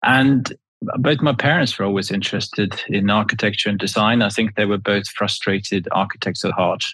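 A man from Sweden, a guest architect talking reflectively in an interview, sometimes pausing to find words. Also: lowish voice, fairly even intonation, a bit bright, breathy edge, no echo. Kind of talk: casual interview talk.

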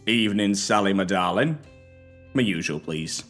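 A man's voice: sits low, animated, fairly bright tone, faint music behind. A man voicing an arrogant, short-tempered laborer with a boisterous, cocky manner. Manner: cocky, boisterous, quick to anger.

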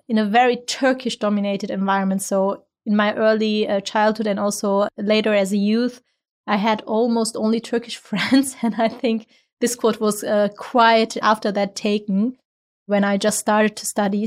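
Interviewee, woman from Germany, 30s, earnest and emphatic; slightly high pitch. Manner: earnest, emphatic, repeats words for stress. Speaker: interviewee, tech investor. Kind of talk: interview answers.

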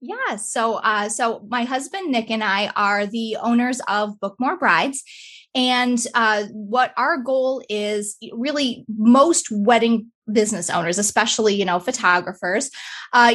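A woman with a nasal American Midwestern accent, talking as a friendly, chatty interview guest. Her voice sits a little high. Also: a bit bright. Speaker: guest, marketing coach. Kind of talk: casual interview chat.

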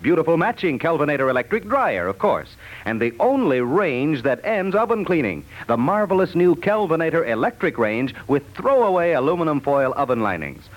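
A man's voice: on the high side, sing-song, fairly quick, rough recording. An American man reading scripted 1950s radio commercials as a polished, emphatic announcer. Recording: 1950s radio broadcast recording.

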